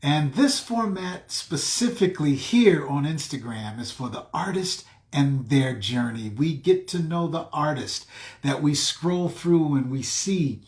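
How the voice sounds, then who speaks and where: A man's voice: a little high, lively intonation, unhurried, reverberant. A man hosting a live video-call interview, effusive, calling his guest "brother" and "man". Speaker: show host.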